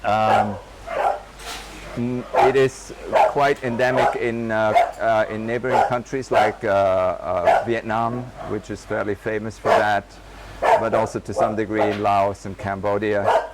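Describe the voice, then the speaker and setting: On this walking tour of an animal rescue center, the male guide has a low-side voice with flat delivery and a slightly slow pace. His explanations are hesitant and riddled with fillers. Dogs bark in the noisy outdoor recording.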